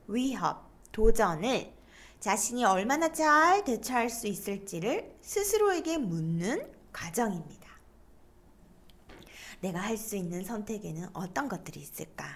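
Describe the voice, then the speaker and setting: A middle-aged woman giving a lecture, explaining terms and leading students to read aloud together. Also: mid-range voice. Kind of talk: online lecture on stress coping.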